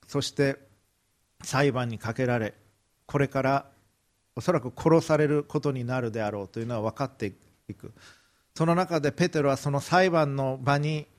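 Japanese pastor retelling a Bible story. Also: male voice, mid-range voice. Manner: vivid retelling, briefly acting out quoted lines. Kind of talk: sermon storytelling.

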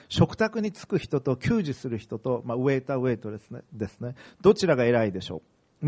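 A man preaching a sermon as a pastor, speaking in measured phrases with pauses. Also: mid-range voice, a little mellow.

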